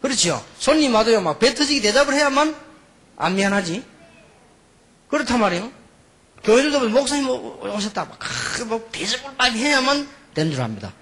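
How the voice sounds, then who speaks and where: Animated, high-voiced male preacher, a little husky. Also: a little fast. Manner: animated storytelling, mixes quiet asides with emphatic outbursts. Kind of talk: sermon with anecdotes.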